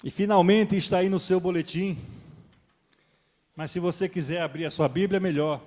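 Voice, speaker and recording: A middle-aged man preaching a sermon as pastor, swelling loud on key points and then dropping soft. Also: high voice, fairly even intonation, normal speed. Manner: rises and swells with emphasis, then drops soft. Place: church hall. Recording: long reverb of a church hall.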